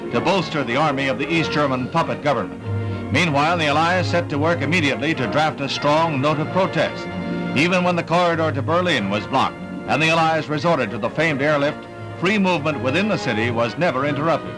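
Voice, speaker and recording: Old newsreel narrator guy, bit high voice, punchy dramatic read, music blaring underneath. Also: expressive, fairly quick, rough recording. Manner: emphatic, dramatic delivery. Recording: voice-over over loud newsreel music.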